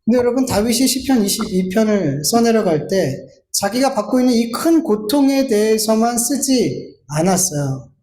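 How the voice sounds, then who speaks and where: High-voiced earnest male pastor preaching. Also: animated, normal speed, hardly any pauses, warm tone, echoey room, soft background music. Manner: earnest preaching, acting out pleading prayers. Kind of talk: sermon. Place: church sanctuary.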